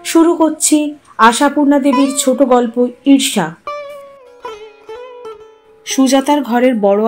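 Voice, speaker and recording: High-pitched woman narrating a story. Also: darkish tone. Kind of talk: scripted literary narration.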